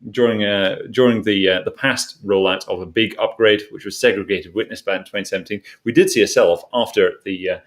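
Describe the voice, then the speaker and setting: A man giving conversational financial commentary as an analyst and host, with halting, hesitant phrasing. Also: on the low side, fairly even intonation. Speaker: show host and investment analyst.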